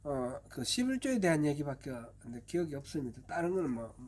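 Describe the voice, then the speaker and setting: A male pastor giving an expository Bible-teaching sermon at a church service, patiently explaining with many fillers and often clearing his throat. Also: on the high side, sing-song, a little fast, darkish tone, slight background noise.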